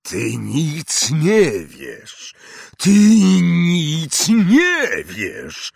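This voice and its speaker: Brief: booming gruff half-giant, a male reader puts him on, slow weighty phrasing, wildly swinging pitch. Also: wildly swooping pitch, no echo, clean studio sound, heavily acted. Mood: angry. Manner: booming, slow, emphatic outbursts.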